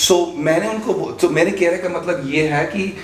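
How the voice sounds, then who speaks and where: A man's voice: on the high side, moderate pace, slight background noise. Man in his fifties, storytelling in echoey room. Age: 50s. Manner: mixes Hindi and English, storytelling with restarts. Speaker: guest trainer. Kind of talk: casual interview chat.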